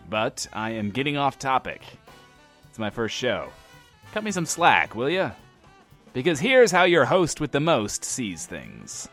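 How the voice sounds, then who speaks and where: A man's voice: mid-range voice, huge pitch swings, unhurried, fairly bright tone, faint music behind, heavily acted. An actor playing a brash, self-loving radio DJ in a post-apocalyptic audio drama, with theatrical, wry showman patter. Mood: brash, grandstanding. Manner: smug, theatrical, wry, refers to himself by name. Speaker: radio host. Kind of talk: in-world radio show monologue, showman patter.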